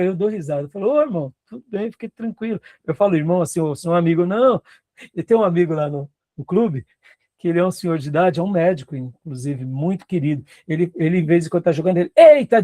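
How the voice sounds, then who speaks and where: Animated Brazilian pastor teaching seminarians. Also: male voice, high voice, dry recording, studio quality. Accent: Brazilian Portuguese. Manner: animated, laughs often, acts out quoted voices. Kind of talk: classroom teaching with anecdotes.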